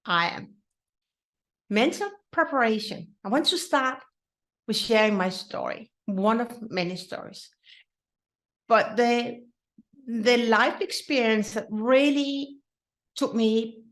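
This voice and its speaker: A woman's voice: a little high, takes it slowly, pauses often, a bit bright. Danish woman hosting her podcast. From Denmark. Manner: earnest, with frequent restarts and repetitions. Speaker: podcast host. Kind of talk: casual solo podcast talk.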